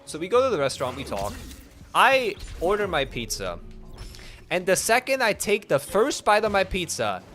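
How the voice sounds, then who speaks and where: A man's voice: high voice, huge pitch swings, normal speed, a bit bright, faint music behind. A young man streaming a game, telling a story in a casual, rambling way with lots of swearing and "like" fillers. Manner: rambling, profane, heavy use of "like". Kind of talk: casual storytelling while playing.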